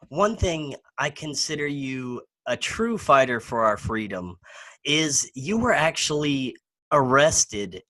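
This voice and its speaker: A man's voice: mid-range voice, fairly bright tone. A man hosting an interview show, introducing his guest and asking admiring questions. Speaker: talk show host.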